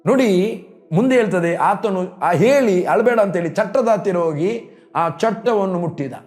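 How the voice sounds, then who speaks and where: A man's voice: sits high, expressive, normal speed, darkish tone, soft background music. A man preaching a sermon as a pastor, telling a story and acting out quoted pleas.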